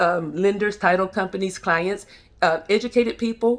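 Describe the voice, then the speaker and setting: Spoken at a fairly quick pace with an American accent, this very clean recording has a silent background. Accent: country accent, obvious. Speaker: notary and loan signing agent coach, high school teacher. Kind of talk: tutorial. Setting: home recording room. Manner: casual, plain-spoken.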